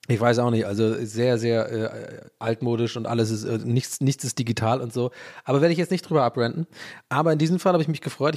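A man's voice: mid-range voice, a little mellow. Rambling Irish-born man chatting solo. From Ireland, Dublin. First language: English. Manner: rambling, self-mocking, many fillers and restarts, swears playfully. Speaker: podcast host. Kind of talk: casual solo podcast chat.

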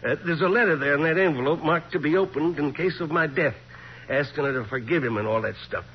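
An actor plays a genial Texas lawman in forties radio crime drama. His is folksy and colloquial, his voice rather high. The sound is dull with a faint hum. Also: fast, close to an everyday voice. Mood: matter-of-fact. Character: genial small-town Texas sheriff, folksy man. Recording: muffled, hissy 1940s radio recording.

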